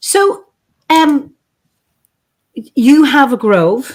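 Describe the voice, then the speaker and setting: In an Irish accent, a woman speaks at a high pitch with very wide pitch swings. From Ireland. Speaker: head of a druid order, chat host. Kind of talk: interview conversation.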